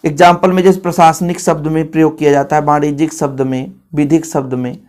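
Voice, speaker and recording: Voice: medium pitch, little pitch movement, a little fast, a little mellow. Chatty teacher repeating exam points. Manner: chatty, repeats points for emphasis, addresses students directly. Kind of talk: exam-prep grammar lesson.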